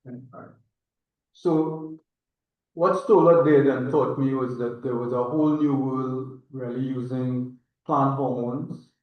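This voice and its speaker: A man's voice: medium pitch, fairly even intonation, unhurried. A distant, echoey and slightly dull recording of an older Trinidadian man presenting to an online meeting. His mid-range voice wanders reflectively through informal remarks, with a hesitant delivery. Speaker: agronomist and institute chairman, presenter.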